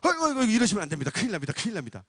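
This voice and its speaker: A man voicing a flustered shaman who talks in an urgent, hurried way. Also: high voice, wildly swooping pitch, fairly bright tone, husky, no room sound, clean studio sound, voice pushed up, exaggerated voice. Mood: panicked.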